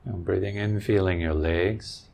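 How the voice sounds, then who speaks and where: A man leading a guided meditation as a teacher, giving calm, gentle instructions in short phrases with long pauses. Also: low voice, vocal fry. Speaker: meditation teacher and podcast host.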